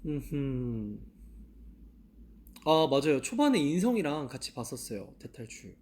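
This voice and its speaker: A man's voice: medium pitch, sing-song, unhurried, a little mellow, a little hiss or hum. A young man in his twenties chatting casually to fans on a live stream, laughing often and asking himself questions aloud. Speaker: idol live-stream host. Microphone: handheld mic.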